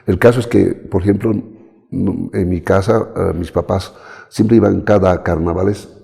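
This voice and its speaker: A middle-aged man with a Bolivian accent tells his story as an interview guest, with a very deep, gravelly voice. His tone is dark and mellow, and he brings the people he quotes to life. A long reverb trails behind his words. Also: normal speed. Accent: Bolivian Spanish. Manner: animated, acts out quoted voices.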